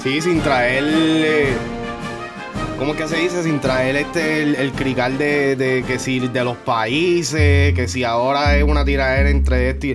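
Puerto Rican male sidekick, mid voice, hesitant backing, music clearly underneath. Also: medium pitch, fairly even intonation, a little slow. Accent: Puerto Rican Spanish. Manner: short backing interjections, hesitant. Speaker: co-host. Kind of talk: casual chat.

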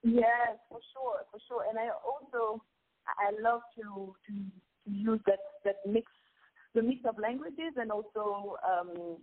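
A woman's voice: on the high side, slow pace. A woman from Congo whose first language is Lingala, a singer being interviewed, speaking in an earnest, reflective way with hesitant restarts. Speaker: singer and guest. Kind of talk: casual interview chat. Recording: tinny phone line.

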